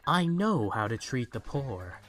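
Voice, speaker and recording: A man's voice: mid-range voice, very animated, measured pace, fairly bright tone, soft background music. A man playing a cold, miserly, irritable company boss in a fan audio drama, curt and scornful.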